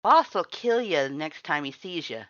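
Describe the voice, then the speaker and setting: A man's voice: fairly high pitch, animated, moderate pace, bright, forceful tone, no echo, dull audio, pitched above the performer's own voice. A man voicing a surly, short-tempered skeleton monster who growls and swears confrontationally in a story reading. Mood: scornful anger.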